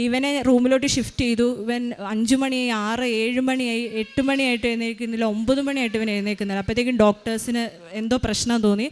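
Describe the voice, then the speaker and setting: A woman's voice: fairly high pitch, fairly even intonation. A woman telling a personal testimony about her child, hurrying along with many fillers and restarts. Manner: hurried, with frequent fillers and restarts. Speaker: mother giving a testimony.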